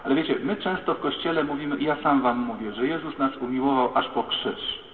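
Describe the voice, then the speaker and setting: A man giving a lively sermon, telling stories and speaking straight to his listeners. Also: medium pitch, fairly quick. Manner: lively, acts out quoted voices, addresses listeners directly. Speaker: preacher. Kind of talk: sermon with storytelling. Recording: echoey hall, tinny phone-like sound.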